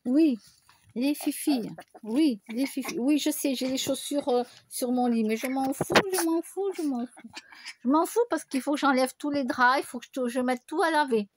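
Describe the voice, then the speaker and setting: A woman's voice: high voice, moderate pace, a little hiss or hum. A woman chatting casually to her viewers, telling a rambling story full of fillers and restarts. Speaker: vlogger. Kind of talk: casual chat to camera.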